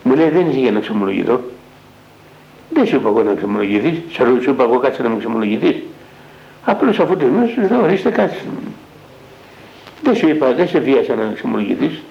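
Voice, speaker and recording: With a creaky, expressive voice of medium pitch, an elderly monk walks listeners through a past conversation as part of a spiritual talk. He constantly tags the lines with "I say" and "he says." The dull lo-fi radio broadcast recording carries a little hiss or hum.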